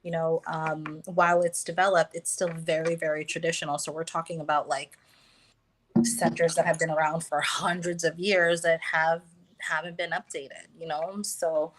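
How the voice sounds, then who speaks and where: Woman from the US, hesitant, lots of fillers, a bit low-pitched. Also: level tone, normal speed, noisy background. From United States. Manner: hesitant, many fillers and restarts. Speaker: guest. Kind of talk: casual conversation.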